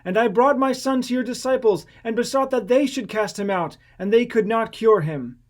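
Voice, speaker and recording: Scripture audiobook role: desperate father begging for his only son, high, loud, imploring voice performed by a male narrator. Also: normal speed. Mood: desperate pleading. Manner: crying out, imploring.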